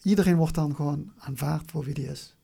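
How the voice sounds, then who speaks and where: The speaker has a soft, mellow timbre with a marked crackle and a southern Dutch accent. They answer interview questions reflectively, often pausing and repeating words as they search for the right phrasing. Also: medium pitch, gravelly, breathy edge. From Venlo, Limburg, Netherlands. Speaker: interview guest.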